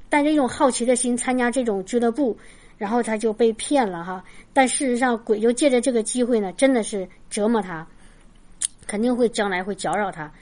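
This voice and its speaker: Woman telling her faith story with animation. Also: on the high side. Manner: lively retelling with restarts and laughs; acts out quoted dialogue. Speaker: Christian speaker sharing a testimony. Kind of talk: personal storytelling, casual.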